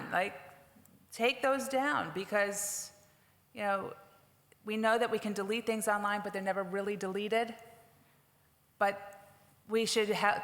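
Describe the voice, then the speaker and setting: A woman's voice: mid-range voice, vocal fry, a bit bright, long reverb tail. A woman panelist speaking casually and conversationally. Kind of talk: panel discussion.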